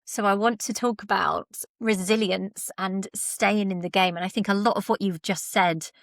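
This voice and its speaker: A woman's voice: mid-range voice, fairly even intonation, moderate pace, no room sound. Woman podcast host, dry close sound. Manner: affirming, reflective, relates advice to herself. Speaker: podcast host, drama coach. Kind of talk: conversational interviewing.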